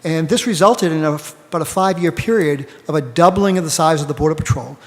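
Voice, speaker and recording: A man's voice: a little high, quick pace. A man with a Boston accent giving an academic panel talk, lecturing and often checking in with "right?". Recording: long hall reverb.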